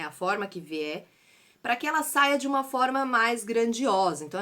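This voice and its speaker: Lively bright-voiced Brazilian theater teacher. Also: female voice, on the high side. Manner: chatty, explanatory, frequent fillers and "né?". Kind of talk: online theater lesson.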